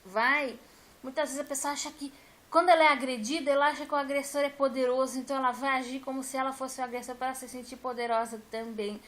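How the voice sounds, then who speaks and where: A woman's voice: sits high, steady tone, quick pace, a bit bright. A woman, a teacher, talking casually and emphatically to her viewers and repeating her points. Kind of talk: casual talk to camera.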